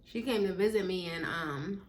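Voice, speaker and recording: A woman from the northern United States with an American accent, chatting casually to viewers as a mukbang host, chewing while talking and pausing to eat. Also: fairly low pitch.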